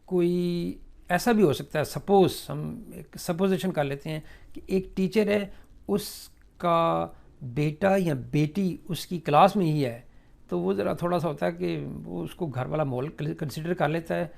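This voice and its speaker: Gravelly man teaching English phrases. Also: on the high side, darkish tone. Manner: slow, drawn-out model sentences in English, then Urdu explanation with many fillers. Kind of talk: spoken English lesson explained in Urdu.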